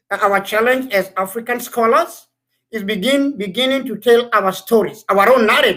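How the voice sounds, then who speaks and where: High-pitched male voice, raised and projected, with a bright, sharp tone, ordinary pitch variation and a moderate pace. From Kenya, Maasai. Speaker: scholar. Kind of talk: interview. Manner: animated.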